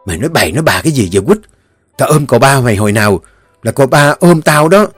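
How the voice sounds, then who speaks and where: A man's voice: mid-range voice, dry recording, soft background music, voice pushed up, close to an everyday voice. A man playing a fiery young wife. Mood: furious. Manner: sharp, indignant, fast retorts. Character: spirited young wife, daughter-in-law of a rich house.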